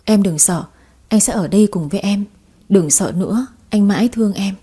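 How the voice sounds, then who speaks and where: A woman's voice: mid-range voice, moderate pace, mellow, slightly rough. A woman voicing a young man who comforts his girlfriend. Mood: soothing. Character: young man, loving then panicked boyfriend.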